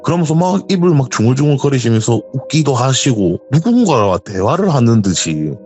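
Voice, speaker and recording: A man's voice: medium pitch, a little fast, soft background music. A man, casually telling a true ghost story and acting out the voices of the people in it. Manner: animated retelling, acts out quoted voices.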